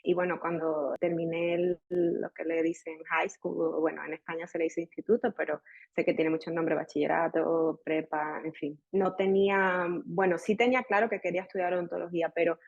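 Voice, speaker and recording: A woman's voice: on the low side, little pitch movement, fairly quick, creaky, a little mellow, dry recording. Young Sevillian woman, Andalusian accent, dentist guest, chatty, sprinkles English words into her Spanish; dull, dry recording. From Spain. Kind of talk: casual podcast interview.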